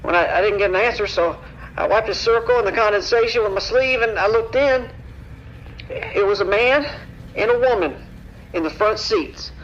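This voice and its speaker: An actor playing a frightened trucker in shock, stammering and halting as he talks over the radio in a radio drama. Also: sits high, a bit bright, dull audio, a little hiss or hum. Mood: shaken. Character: terrified, shocked male trucker recounting horror.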